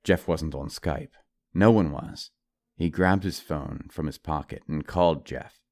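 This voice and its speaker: A man's voice: a bass voice, a little slow, darkish tone. A man narrating a scripted horror audiobook in a dramatized, storytelling style. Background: music.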